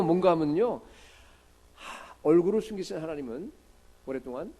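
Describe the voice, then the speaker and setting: A male pastor giving a conversational sermon, often asking the congregation questions and moving between loud and quiet. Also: medium pitch, rough recording. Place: church sanctuary.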